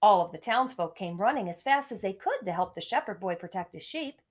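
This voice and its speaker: Female schoolteacher storyteller, lively melodic range, expressive read-aloud delivery aimed at young kids. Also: mid-range voice, brisk. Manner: expressive, clearly addressing children. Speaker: elementary school teacher reading to pupils.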